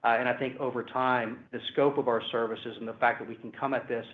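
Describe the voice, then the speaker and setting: A man speaking as a company executive, giving measured, hedging answers on an earnings call. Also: medium pitch, flat delivery. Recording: roomy, phone-like conference call line.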